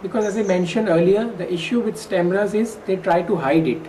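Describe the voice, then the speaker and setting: A woman's voice: mid-range voice, a little fast, warm tone. Woman, stammering. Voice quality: stammers with syllable repetitions. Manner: hesitant, many fillers and restarts. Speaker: stammering workshop participant. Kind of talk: interview answers. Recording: distant mic with faint background noise.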